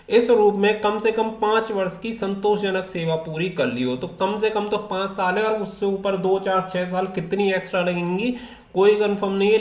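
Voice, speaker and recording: A man presenting an informal educational explainer, reading out official rules and then restating them step by step in a repetitive way. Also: high voice. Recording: echoey, reverberant room.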